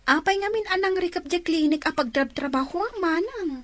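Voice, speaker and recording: A woman's voice: extremely high pitch, animated, a little fast, a bit bright. A woman playing a needy younger woman in a radio drama, plaintive and informal. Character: needy younger woman, anxious about household money.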